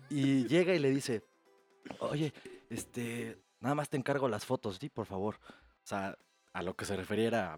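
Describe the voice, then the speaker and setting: A man with a Mexican Spanish accent telling a crude, animated story on a casual podcast. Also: on the low side. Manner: crude slang-heavy, animated retelling. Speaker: podcast host.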